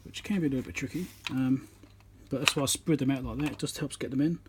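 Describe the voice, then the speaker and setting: A man talks casually through a hands-on repair demonstration at a workbench, in a mid-pitched voice. He speaks haltingly, partly muttering to himself as he concentrates. It is picked up by a phone with faint room noise behind him. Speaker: electronics repairer, channel host. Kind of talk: casual hands-on demonstration commentary while working. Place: indoor electronics workbench. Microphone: phone on a tripod above the work. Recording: noisy room recording on a phone.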